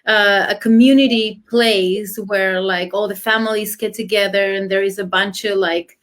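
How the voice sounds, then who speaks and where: A young woman with an Argentine Spanish accent answers interview questions in an easy, chatty way. She talks at a middling pitch, with plenty of "um" and "like" as she goes. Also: moderate pace. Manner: relaxed and chatty, many fillers. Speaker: guest, dancer. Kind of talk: casual interview chat.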